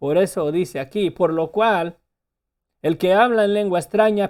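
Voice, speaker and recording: Heard on a very clean recording with a silent background, a man with a Mexican accent and a high pitch speaks at a fairly slow pace. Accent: Mexican accent when speaking English. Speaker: Bible teacher. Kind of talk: Bible study lesson.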